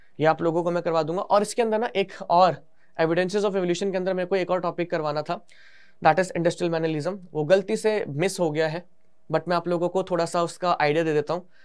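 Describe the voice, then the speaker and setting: Against a quiet background, a man speaks in a high pitch with fairly even intonation. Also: fairly quick pace. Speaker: biology teacher. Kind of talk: online lecture. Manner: casual and conversational, mixing Hindi and English.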